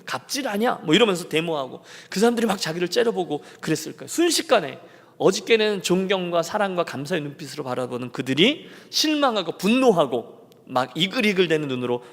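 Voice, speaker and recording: Lively high-voiced preaching pastor. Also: male voice, vocal fry. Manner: animated storytelling, rhetorical questions to the congregation. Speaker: senior pastor. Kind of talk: sermon. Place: church sanctuary. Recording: long church reverb.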